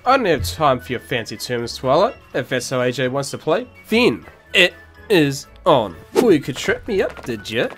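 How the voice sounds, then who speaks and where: Woman as a brash, boastful racing pony with animated delivery. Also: very deep voice, moderate pace, soft background music. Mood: indignant. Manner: cocky, excitable, dramatic. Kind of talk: cartoon parody dub.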